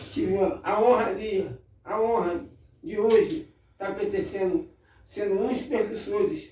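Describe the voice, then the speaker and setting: With audible room echo, a man speaks at a fairly slow pace in an extremely high pitch, his voice making very wide pitch swings and broken by long, frequent pauses. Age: 60s. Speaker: samba veteran. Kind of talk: interview.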